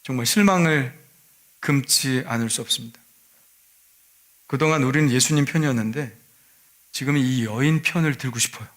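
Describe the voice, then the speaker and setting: A man's voice: mid-range voice, moderate pace, pauses often, a bit bright. A male pastor preaching a Sunday sermon, retelling a scripture story and asking the congregation rhetorical questions.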